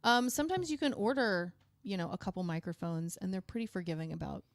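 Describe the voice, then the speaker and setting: A middle-aged woman with a lower, direct voice, explaining casually as a guest in a small studio on a boom-arm mic. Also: fast, no echo. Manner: explains plainly, with frequent fillers like "like". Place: small studio room full of gear. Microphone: studio mic on boom arm, headphones on.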